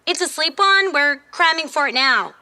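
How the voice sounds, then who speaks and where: A woman's voice: sits high, lively intonation, moderate pace, sharp tone, heavily acted. A woman playing a sassy, world-wise fifteen-year-old girl from the future in an audio drama, with casual, sarcastic phrasing. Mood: placating, weary. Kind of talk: audio fiction drama acting.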